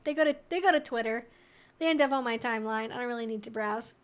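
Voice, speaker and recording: A woman hosting a casual question-and-answer livestream, talking in an animated, emphatic way with conversational asides. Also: a little high, fast talker, clear, resonant tone. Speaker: livestream host.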